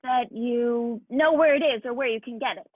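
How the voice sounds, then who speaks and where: Radio play villain, played by a woman: courteous, stilted, quietly threatening, high pitch, narrow telephone-like sound. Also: moderate pace, husky, no room sound. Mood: wary, bargaining. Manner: formal, stilted, over-polite menace. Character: polite, shifty, menacing Greek man with pistol. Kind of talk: film noir radio play acting. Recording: thin, phone-like band-limited sound.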